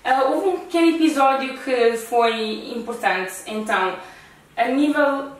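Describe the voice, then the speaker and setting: This talk show host, a woman with a European Portuguese accent, talks casually with a friend in a high-pitched voice at a somewhat slow pace. It's captured on a distant mic in a very echoey room.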